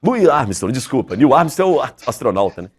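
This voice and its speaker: Man, talk show host, husky, animated pitch. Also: brisk. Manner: frequent short affirmations, lively. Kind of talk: studio talk show interview.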